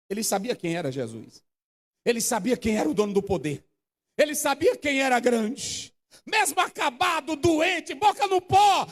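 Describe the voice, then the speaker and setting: A male pastor preaching a fervent sermon. He swings between hushed phrases and outbursts. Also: very high voice. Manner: fervent, swings from hushed to shouting, acts out quotes. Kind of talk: impassioned Pentecostal sermon. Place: church hall. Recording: long church hall reverb.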